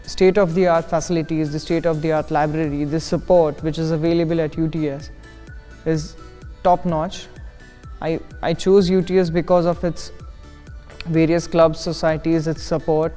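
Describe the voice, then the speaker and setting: A man's voice: on the high side, little pitch movement, normal speed, mellow, faint music behind. A young man from India, a university student, speaking in a confident, upbeat way about settling in. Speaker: international student. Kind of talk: casual student testimonial.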